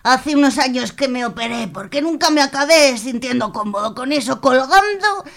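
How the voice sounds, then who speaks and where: A woman acts a tipsy middle-aged trans woman in a radio soap. The voice sits a little high. She speaks deliberately and plainly, with a matter-of-fact manner. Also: lively intonation, vocal fry, fairly bright tone, full character voice. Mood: confessional. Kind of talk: amateur radio soap acting.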